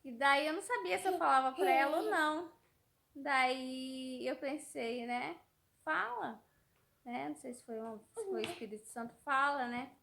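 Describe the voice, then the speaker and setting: Brief: Brazilian mother, 30s, casual vlog storyteller, high voice with a gravelly edge, rambling delivery. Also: moderate pace, fairly bright tone, slight background noise. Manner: rambling, repeats words, trails off. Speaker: mother vlogger.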